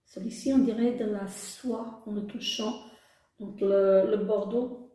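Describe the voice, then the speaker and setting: A woman's voice: mid-range voice, fairly even intonation, a little slow, warm tone. A woman vlogger casually reviewing makeup, gushing with delight and using many fillers. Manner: enthusiastic, repetitive exclamations, many fillers. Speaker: beauty vlogger. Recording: very echoey room.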